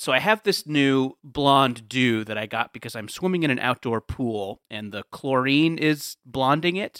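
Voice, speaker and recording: With a normal speaking voice, a man at medium pitch talks at a fairly slow pace with lively intonation and hardly any pauses, in a dry, close sound with no echo. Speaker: comedian. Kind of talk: casual comedic chat. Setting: video call.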